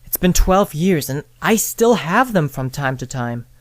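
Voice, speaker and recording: A narrator reading a scripted first-person story in short phrases with frequent pauses. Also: medium pitch, animated, no echo. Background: music with guitar and piano.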